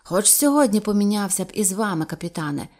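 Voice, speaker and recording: A polite, nostalgic middle-aged businessman read by a woman narrator. His lines rise in lively, eager exclamations, courteous and sentimental in a storybook reading. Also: medium pitch, fast, lightly acted.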